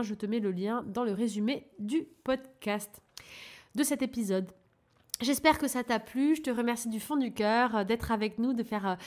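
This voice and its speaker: A woman hosting her own channel, talking gently and encouragingly to her listeners as a life coach, in a casual coaching monologue. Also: medium pitch.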